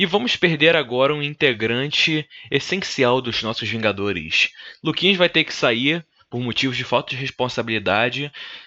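This man has a medium pitch and a bright, sharp tone with lively intonation. He talks at a moderate pace, and the sound is dry and close with no echo. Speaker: podcast host. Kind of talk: casual chat.

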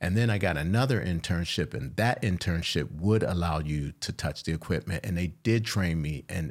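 Very deep, low male speech with vocal fry, lively intonation and hardly any pauses, on a very clean recording with a silent background. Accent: American. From US, Pittsburgh. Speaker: film editor and director. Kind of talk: interview conversation.

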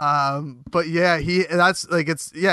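The voice has a bright, sharp tone and a Philadelphia accent at a moderate pace. The sound is dry and close with no echo, against a quiet background. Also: man. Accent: Philadelphia-area American. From Pennsylvania (Philadelphia area). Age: 30s. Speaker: podcast host. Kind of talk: casual chat. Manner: halting.

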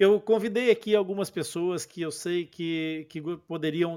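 A normal speaking voice from a man, fairly high in pitch, with ordinary pitch variation and a fairly slow pace. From Brazil. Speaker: dentist and podcast host. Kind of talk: casual chat. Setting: online live call.

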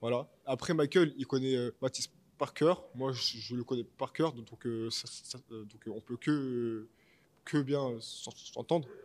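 This man talks at a very slow pace in a medium pitch with fairly even intonation, and the sound is dry and close with no echo. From France. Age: 20s. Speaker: MMA fighter. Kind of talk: interview. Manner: halting.

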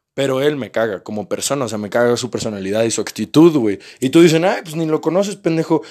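In a Mexico City accent, a man speaks with an animated tone at a fairly quick pace. The recording is very clean, with a silent background. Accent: Mexico City Spanish (chilango). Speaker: podcaster. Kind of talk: casual monologue.

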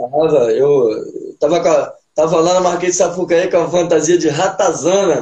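A man's high-pitched voice at a fairly slow pace, with fairly even intonation and very even loudness. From Nilópolis, Rio de Janeiro state, Brazil. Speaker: samba singer and composer. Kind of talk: casual interview.

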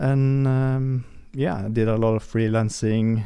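A man's fairly low, dark, mellow voice with a Norwegian accent. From Norway. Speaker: jazz trumpeter and beatmaker. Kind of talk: casual chat.

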